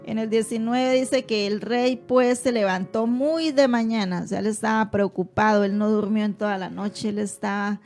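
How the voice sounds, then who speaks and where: A woman co-presenting a Christian radio program, reading scripture in a measured, deliberate way and adding brief affirmations. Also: medium pitch, fairly even intonation, a little mellow, soft background music.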